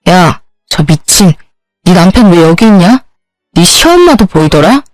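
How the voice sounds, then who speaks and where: A woman's voice: fairly low pitch, very animated, measured pace, dry recording. Woman reading a fuming blunt friend, crude outbursts, storybook narration, faint music. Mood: furious. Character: furious young woman friend, blunt and foul-mouthed.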